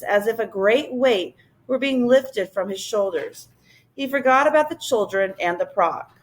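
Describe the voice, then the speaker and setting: A woman teacher reading a novel aloud to her class with expressive storytelling. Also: medium pitch, rough recording.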